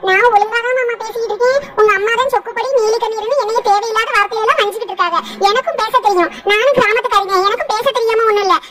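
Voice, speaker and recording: A defiant young village wife from a cartoon, voiced by an actor, high and bright in tone. She fires back at her mother-in-law with quick, indignant retorts in rural speech. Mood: retorting. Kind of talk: cartoon voice acting.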